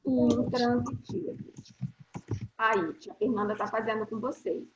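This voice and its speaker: A Brazilian woman teaching grammar to schoolchildren in an online class. Her fairly high voice moves at a very slow, deliberate pace, and she keeps checking whether the class follows. The sound is roomy and a little dull, as over a video call. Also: background noise. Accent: Brazilian Portuguese. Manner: slow, deliberate explaining with frequent check-in questions.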